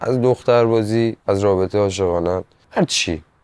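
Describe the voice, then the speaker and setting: On a very clean recording with a silent background, a man speaks with a fairly low pitch and a dark, mellow tone. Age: young. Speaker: rapper. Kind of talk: interview. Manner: casual slangy.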